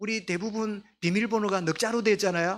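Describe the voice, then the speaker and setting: A Gyeongsang accent on a very clean recording with a silent background. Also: man. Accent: Gyeongsang dialect, softer than typical. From Gyeongsang Province, South Korea. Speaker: pastor. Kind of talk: sermon. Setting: church. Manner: conversational, asks the congregation questions.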